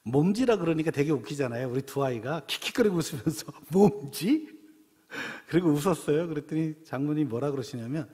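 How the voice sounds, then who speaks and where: Casting: middle-aged man from Seoul, pastor, animated storytelling sermon, husky voice in a long-reverb sanctuary. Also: a little high, quick pace, few pauses. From Seoul, South Korea. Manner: chatty storytelling with rhetorical questions. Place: church sanctuary.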